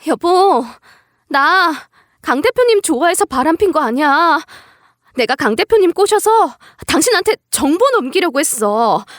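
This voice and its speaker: A woman's voice: extremely high pitch, big pitch swings, measured pace, no echo, clean studio sound, voice pushed up, heavily acted. A woman voicing a scheming middle-aged wife who pleads and justifies herself to her husband, in a radio story. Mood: pleading.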